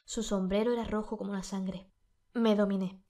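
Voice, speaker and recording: A woman with a Spanish accent narrating an audiobook, her voice a little strained from a sore throat. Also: medium pitch. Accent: Spain Spanish. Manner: measured, steady storytelling.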